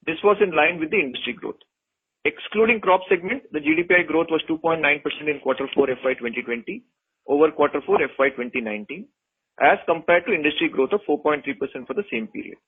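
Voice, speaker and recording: Male, Indian accent, slightly high husky voice, businesslike financial reporting, scripted, telephone-quality audio. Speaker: finance executive presenting results. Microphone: telephone conference call. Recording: thin tinny conference phone line.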